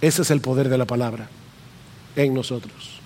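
A man's voice: mid-range voice, steady tone, normal speed, a little mellow, long reverb tail. A man from Argentina with an Argentine Spanish accent, preaching a sermon as a pastor, earnest and climbing in emphasis on key phrases.

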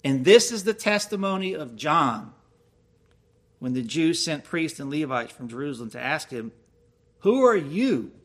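A man's voice: a little high, lively intonation, moderate pace, fairly bright tone. A man preaching a sermon, reading scripture aloud and explaining it with questions to his listeners. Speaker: pastor.

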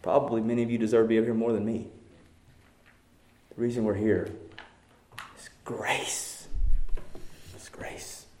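Passionate preacher in a roomy church. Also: male voice, fairly low pitch, little pitch movement, quick pace, long pauses. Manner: swings from shouted passion to hushed, near-whispered lines. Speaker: pastor. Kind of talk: sermon. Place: church sanctuary.

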